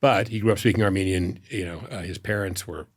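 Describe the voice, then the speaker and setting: Low-voiced man telling anecdotes in an interview. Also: fairly even intonation. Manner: measured, anecdotal storytelling with pauses. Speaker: foundation president, interview guest. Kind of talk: reflective interview conversation.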